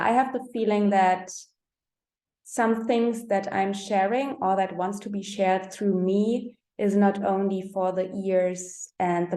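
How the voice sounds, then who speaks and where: A woman with a German accent, a non-native English speaker giving a spiritual astrology talk, pausing often and searching for her words. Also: mid-range voice, warm tone, roomy sound. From Austria. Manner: slow, halting, searching for words with many fillers.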